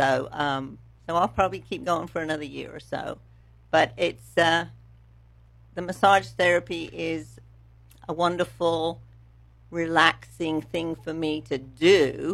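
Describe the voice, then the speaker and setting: This woman, with a slight English accent, has a fairly low pitch and vocal fry. She talks at a fairly slow pace with fairly even intonation and long, frequent pauses. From England. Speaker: massage therapist and fitness trainer. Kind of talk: interview testimony.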